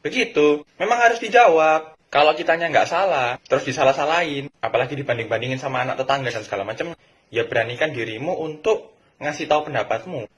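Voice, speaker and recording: A man's voice: on the high side, fast, a bit bright. A man giving casual, direct advice and lecturing parents in a monologue. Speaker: video creator.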